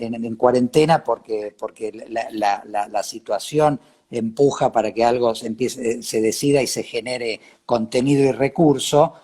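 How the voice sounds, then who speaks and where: His voice is mid-range and dark, with a breathy edge, and carries a Córdoba Argentine accent. In a thoughtful interview conversation, he falters and repeats words while trying to find the right phrasing.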